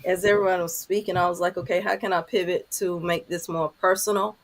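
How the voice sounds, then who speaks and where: Woman, 50s, deep low voice, reflective panelist over a video call. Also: flat delivery, fairly quick. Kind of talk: candid panel talk.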